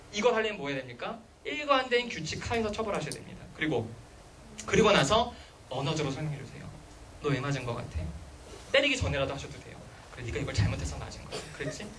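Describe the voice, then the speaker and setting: A man's voice: high voice, a bit bright. A man giving a public lecture on parenting to a room of parents, firing rhetorical questions at the audience. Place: school lecture hall. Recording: voice picked up from a distance.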